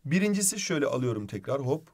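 A man's voice: medium pitch, sing-song, fast talker, darkish tone, slight background noise. A man teaching a literature lesson online, explaining step by step and addressing students as friends while writing on the board.

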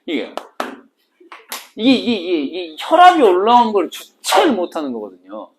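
A woman teacher lectures on a literature text in a lively, sing-song voice that swings widely in pitch. She teases and jokes with her students and slips between polite and casual speech. A faint hiss with small clicks sits under the recording. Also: moderate pace. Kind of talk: exam-prep literature lecture.

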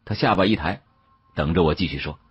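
A man's voice: sits low, fairly quick, slightly rough. A man narrating an audiobook in a dramatic, first-person storytelling style. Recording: dull, muffled audio.

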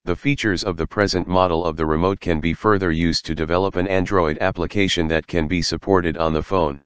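A man reads a written passage aloud in a measured, formal manner. His voice is very low and smooth, with a dry sound free of room echo. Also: fairly even intonation, dull audio. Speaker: reader of model answers for an English speaking test. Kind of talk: scripted read-aloud.

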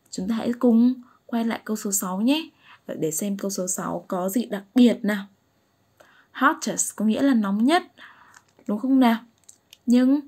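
Female English teacher. Slightly high voice, unhurried, patient delivery that keeps checking understanding. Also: darkish tone. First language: Vietnamese. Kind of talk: slow explanatory lesson.

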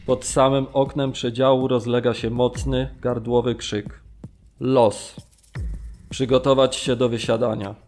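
A man acting as a prisoner recounting a train journey in measured, sombre radio-drama narration. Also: medium pitch, flat delivery, darkish tone, soft background music, natural voice. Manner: measured, descriptive recitation. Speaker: actor reading a prisoner's account.

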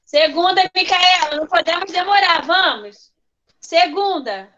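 Woman teacher, high voice, patient prompting of small kids in an online class, dull lo-fi call audio. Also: measured pace, pushed and bright. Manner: coaxing, prompting pupils by name. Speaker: first-grade teacher. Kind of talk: online class with young children. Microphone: video call.

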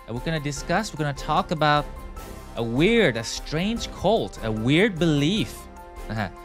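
Man, English teacher on a live stream, unhurried, light background music. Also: on the high side, sing-song. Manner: switches between Thai and English, slow and clear with many fillers. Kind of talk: live online English lesson.

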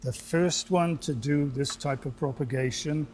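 An older Welshman who directs a seaside aquarium gives a TV interview outdoors there, miked with a lapel mic. His fairly high voice moves at a measured pace as he tells stories in a relaxed, articulate way. Faint outdoor ambience and slight background noise sit beneath him.

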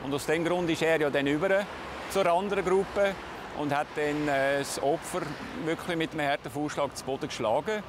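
A man's voice: on the high side, normal speed. A man with a Swiss German accent, a police investigator, recounting events plainly in a documentary interview on a city street. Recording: street noise behind. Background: urban street noise, passing vehicles.

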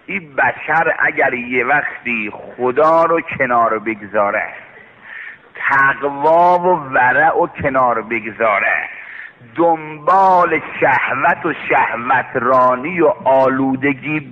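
A man's voice: mid-range voice, big-room sound. A man preaching an impassioned sermon, telling a story with strong emotion and calling out to the congregation. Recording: tinny lo-fi radio broadcast recording.

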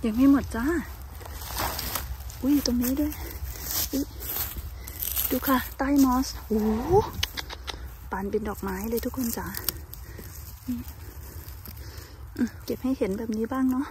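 A woman narrating a casual outdoor vlog while foraging in a forest, exclaiming excitedly over each find. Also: fairly high pitch, a little slow, long pauses, noisy background. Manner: excitable, squeals and exclaims when finding mushrooms. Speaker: vlogger.

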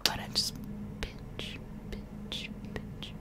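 A woman in her twenties whispering a chatty, playful ASMR roleplay up close to the microphone. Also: extremely slow. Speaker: ASMR video creator.

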